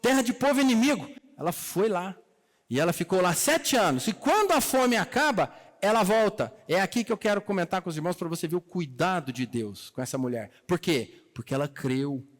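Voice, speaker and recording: A Brazilian man preaches in a church hall, his voice pitched notably high. He tells a scripture story in an easy, conversational way and slips into the characters' lines. The sound rings with a long hall echo. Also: lively intonation, a little fast. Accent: Brazilian Portuguese. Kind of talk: sermon retelling a Bible story.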